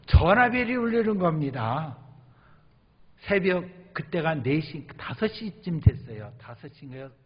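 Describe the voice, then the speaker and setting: A middle-aged male pastor preaching a sermon, telling his own stories with animated delivery and acting out his prayers. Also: medium pitch. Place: church sanctuary. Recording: reverberant hall, dull lo-fi sound.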